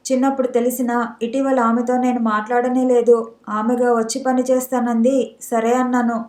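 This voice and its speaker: A woman voicing a young male doctor who speaks in a measured, serious way and is troubled and defensive. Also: a little high, little pitch movement, a little mellow, roomy sound, lightly acted.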